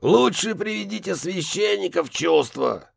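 A man voicing the ghost of a gruff male witch-hunter in an audiobook, with a hoarse, barking, mocking delivery. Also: high-pitched, animated, normal speed, no echo, studio quality, pitched above the performer's own voice, full character voice. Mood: scolding. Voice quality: hoarse, gravelly. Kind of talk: audiobook character voice.

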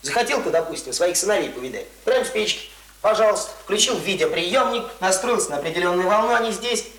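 An actor in a radio play playing an earnest, argumentative young village student who lectures insistently and colloquially. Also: male voice, sits high, lively intonation, fast talker, a bit bright. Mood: dreamy, enthusiastic. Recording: roomy, echoing radio drama recording.

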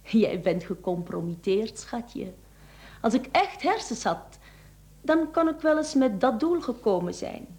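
An actress with a Flemish accent playing a young mistress in a radio play, teasing, coaxing and calculating. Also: female voice, on the high side, big pitch swings, measured pace, darkish tone. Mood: defiant, scheming. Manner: coquettish, teasing.

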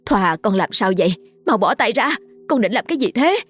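A woman's voice: on the low side, moderate pace, slightly rough. A woman voicing a widowed mother in a ghost story, grieving and frightened yet trying to soothe her child, with a tearful, pleading manner. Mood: alarmed.

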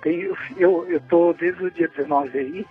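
A man's voice: on the high side, fairly even intonation, unhurried, soft background music. A man, calling in to a radio show over the phone, chatting eagerly and casually with slang. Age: 20s. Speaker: radio caller. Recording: dull lo-fi phone line.

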